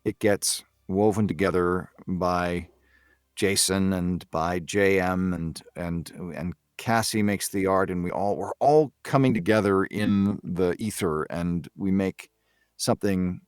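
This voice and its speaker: A man's voice: deep voice, steady tone, slow pace, clear, resonant tone, dry recording, studio quality. A man who works as a voice actor, talking casually in a group interview. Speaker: voice actor, podcast cast member. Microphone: recording from home closet.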